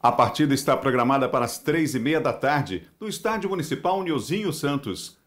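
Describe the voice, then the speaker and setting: Male regional news anchor from Maranhão, brisk announcer read, medium pitch. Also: expressive. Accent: Brazilian Portuguese, Maranhão. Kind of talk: TV news presenting.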